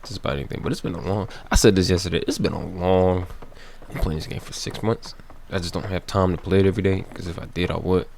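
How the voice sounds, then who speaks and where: A man's voice: low voice, steady tone, quick pace, gravelly, a little mellow, slight background noise. A young adult man giving casual, slangy, offhand walkthrough commentary as a gaming video host.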